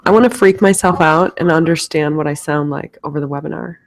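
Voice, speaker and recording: A woman's voice: deep voice, a little fast, vocal fry. A woman chatting playfully with coworkers during a webinar sound test. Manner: playful, teasing. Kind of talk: casual office chat.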